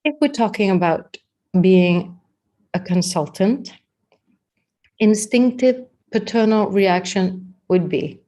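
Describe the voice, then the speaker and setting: A woman with a Danish accent teaching body language in a chatty, unhurried workshop talk, with many fillers and restarts. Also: mid-range voice, warm tone, highs cut off. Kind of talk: live-streamed workshop talk.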